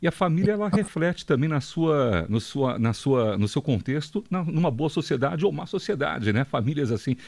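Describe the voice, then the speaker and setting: A fairly high male voice with very wide pitch swings and hardly any pauses, at a moderate pace over a quiet background. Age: 50s. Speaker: radio host. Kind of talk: radio interview.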